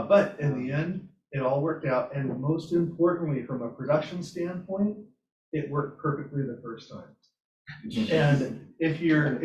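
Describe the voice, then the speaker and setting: A man's voice: medium pitch, darkish tone. A man presents informally in a roomy space, picked up from away and slightly muffled. He tells his story in an anecdotal way, voicing his own reactions as he goes. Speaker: presenter at a robotics club meetup. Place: meeting room at a hybrid club meetup. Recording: echoey room, distant mic, muffled sound.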